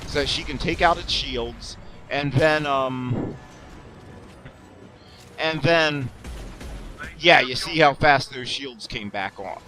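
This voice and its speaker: A man's voice: mid-range voice, slow pace, long pauses, sharp tone, faint music behind. A man giving casual, rambling commentary over a video game, self-deprecating and sarcastic, often restarting his sentences. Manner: sarcastic jokes. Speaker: let's play commentator.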